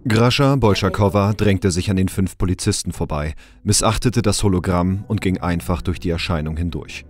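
A man's voice: low voice, normal speed, a little mellow, a little hiss or hum. A man giving scripted narration for an audio drama.

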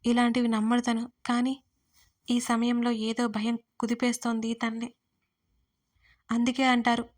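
A woman narrating a romantic audio story in a steady, even reading voice. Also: a little high.

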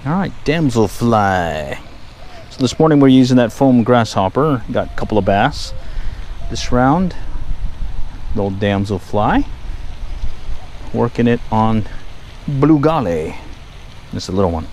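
A man talks his way through a fishing session at a pond, relaxed and half to himself as he casts. His voice sits at an ordinary middle pitch. A faint outdoor hiss from the action camera sits under the voice. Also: unhurried, long pauses, poor audio. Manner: relaxed, muttering asides while casting. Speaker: angler filming his fishing. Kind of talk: casual running commentary. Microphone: head-mounted action camera.

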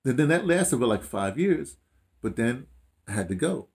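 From a small room in his home, an audio dramatist, likely in his late sixties and certainly in his 60s or 70s, looks back on his life in casual conversation. He's an animated storyteller who repeats phrases and quotes himself, speaking at normal speed in a gravelly, mid-range voice.

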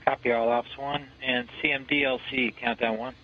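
A man working as launch conductor, giving clipped procedural calls over a radio communications loop, brisk with small hesitations. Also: medium pitch, little pitch movement. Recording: muffled lo-fi radio channel.

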